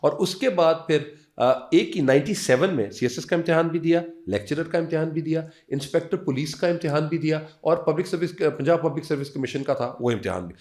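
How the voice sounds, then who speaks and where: A Pakistani university lecturer in his fifties, appearing as a podcast guest, tells personal anecdotes and mixes in English phrases. His voice is a little high with a darkish tone, and he barely pauses.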